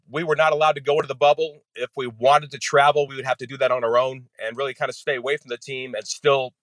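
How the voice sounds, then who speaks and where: Measured male baseball announcer, dry sound. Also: mid-range voice, dry recording. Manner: detailed, measured, steady flow of facts. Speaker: baseball radio play-by-play announcer, guest. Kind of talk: podcast interview guest, analysis.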